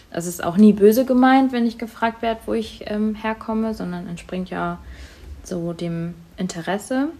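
Soft-spoken woman, hesitant and thoughtful. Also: on the low side, creaky. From Germany. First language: Tamil. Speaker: interviewee. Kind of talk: school interview.

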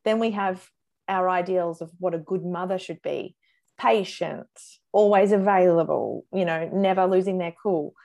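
A mother, answering interview questions in an earnest, animated way with frequent "like"s. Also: medium pitch. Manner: earnest, animated storyteller, says "like" often. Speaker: guest, mother.

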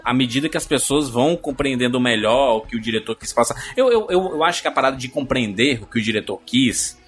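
A man with a Brazilian accent co-hosting a podcast about film, talking in an animated, opinionated way with frequent restarts. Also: mid-range voice, fast talker. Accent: Brazilian Portuguese. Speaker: podcast co-host. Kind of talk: casual film discussion.

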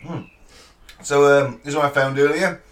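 A man's voice: fairly high pitch, steady tone, moderate pace, a bit bright. A British man hosting a casual podcast chat, laughing often and reading out odd news stories. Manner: chatty, laughs often, reads news aloud. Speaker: podcast host.

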